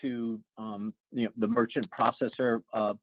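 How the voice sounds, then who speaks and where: A man working as a financial analyst, asking earnings-call questions haltingly and repeating his words. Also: mid-range voice, level tone, dry recording. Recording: tinny, dry phone line.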